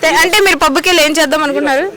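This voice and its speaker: A woman's voice: sits high, racing, crowd noise. A woman hosting a street prank show, teasing and prodding with questions, recorded outdoors. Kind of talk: playful street interview. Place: outdoors in a busy urban spot. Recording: very noisy outdoor street with traffic.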